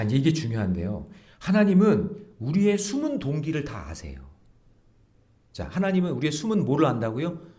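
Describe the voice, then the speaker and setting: A man's voice: medium pitch, a little mellow. A middle-aged man preaching an early morning prayer sermon in a church, asking the congregation questions and acting out the voices he quotes. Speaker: pastor. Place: church sanctuary.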